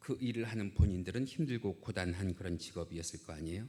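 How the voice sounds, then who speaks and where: A man talks at a fairly quick pace with lively intonation. His very deep, low voice is somewhat breathy. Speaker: pastor. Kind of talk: sermon. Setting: church.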